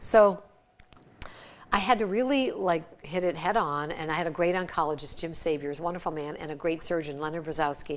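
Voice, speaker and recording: Talking very fast, a woman with a Midwestern American accent uses a fairly low pitch. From northeast Ohio. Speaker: author. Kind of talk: interview. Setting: studio. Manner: animated.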